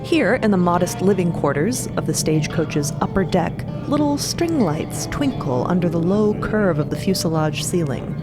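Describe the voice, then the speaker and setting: A woman's voice: lowish voice, big pitch swings, normal speed, hardly any pauses. A woman narrating a scripted audio drama. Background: clear background music.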